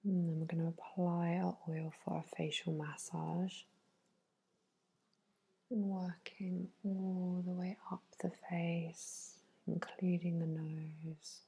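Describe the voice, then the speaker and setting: A woman whispering a soothing, unhurried ASMR massage narration in a hushed, breathy bedtime voice. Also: fairly low pitch, level tone, low-quality recording. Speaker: facial massage therapist.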